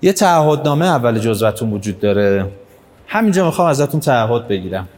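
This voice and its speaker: A man's voice: medium pitch, big pitch swings, darkish tone, in a large hall. A man leading a live workshop, talking directly to the audience and urging them on. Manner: direct, coaxing, urges the audience on. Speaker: workshop trainer. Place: hall with an audience.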